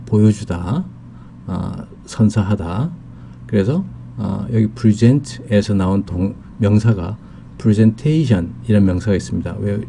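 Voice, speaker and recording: Gravelly, dark-voiced man teaching English. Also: lowish voice, a little hiss or hum. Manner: slow, careful explanations with many fillers, reading English examples very slowly. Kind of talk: recorded video lesson.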